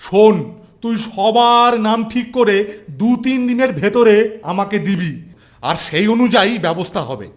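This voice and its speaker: A man's voice: high voice, moderate pace, lightly acted. A man voicing a strict, commanding schoolteacher in a children's cartoon, speaking in a stern, emphatic way. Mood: brisk, instructing. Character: strict, commanding adult male school teacher. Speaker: cartoon voice actor. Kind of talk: Bengali children's cartoon dialogue.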